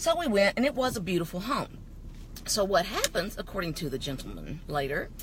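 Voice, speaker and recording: A woman with an East Texas accent speaks at a fairly quick pace, her medium-pitched voice animated and swinging very widely in pitch. Noticeable background noise runs under her. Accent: East Texas Southern US. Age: 50s. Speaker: social media speaker and entrepreneur. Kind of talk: casual vlog storytelling. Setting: in a car.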